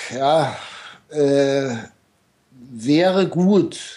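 A man talks with a dark, mellow tone and a fairly high pitch. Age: 60s. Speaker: retired electronics instructor for youth. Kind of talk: interview. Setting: Skype call.

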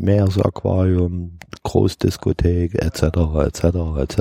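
A man talks in a very deep, low pitch with a dry, close sound and no echo. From Saxony, eastern Germany (Radebeul near Dresden). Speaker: photographer. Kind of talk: interview. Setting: outdoors on a balcony.

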